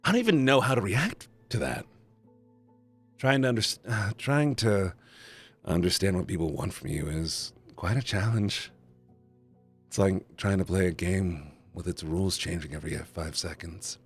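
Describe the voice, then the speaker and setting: Soft background music accompanies a deep, husky male voice at normal speed as he reads a visual novel on stream, alternating between narrating and chatting with viewers in reaction.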